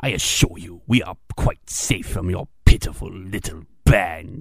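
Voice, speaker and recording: A man's put-on character voice, very deep and low, smug and sinister in tone, with lively intonation, big swings in loudness and a moderate pace. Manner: smug, sinister.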